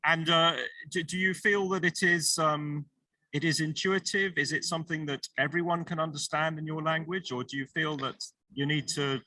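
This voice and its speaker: A man's voice: a little high, fairly even intonation, moderate pace, sharp tone, no echo. A man moderating an online panel discussion, encouraging and thinking aloud as he goes. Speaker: session moderator.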